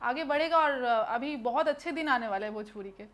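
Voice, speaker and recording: A woman's voice: high-pitched, fairly quick, a bit bright. A young woman from Kolkata, an actress answering interview questions in a chatty way with hesitant fillers and English phrases mixed in. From Kolkata, West Bengal, India.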